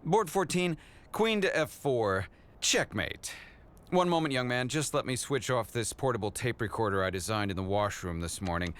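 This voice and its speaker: A man's voice: mid-range voice, expressive, moderate pace, a bit bright, clear, resonant tone, natural voice. A man voicing an arrogant, aloof genius scientist in a motion comic, smug, precise and condescending. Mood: brisk, smug.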